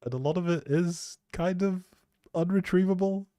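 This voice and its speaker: A man's voice: high voice, normal speed, mellow, no echo. A man hosting a livestream, rambling casually and chattily, often breaking off mid-thought, speaking close to the mic. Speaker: live streamer, host.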